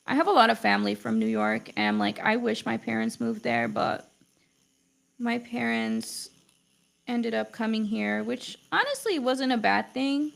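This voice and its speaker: A woman's voice: fairly high pitch, very animated, a little slow, creaky. A young woman, an art teacher with English as her second language, chatting casually and rambling with lots of "like" while she draws on a livestream. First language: not English. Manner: chatty, rambling, heavy use of "like". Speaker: art teacher streaming live.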